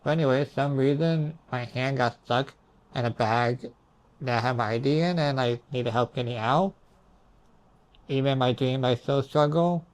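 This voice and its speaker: A man's voice: medium pitch, moderate pace. Puzzled young man hazily recounting dreams. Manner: hazy, puzzled recounting, trailing into asides. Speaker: storyteller recounting own dreams. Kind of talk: casual rambling storytelling.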